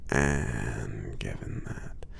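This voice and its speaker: A gentle, friendly giant acted by a man, rumbling very low with heavy creak in an ASMR roleplay. He speaks courteously and extremely slowly, hesitating between soft hums and often slipping toward a breathy whisper. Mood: gentle, warm.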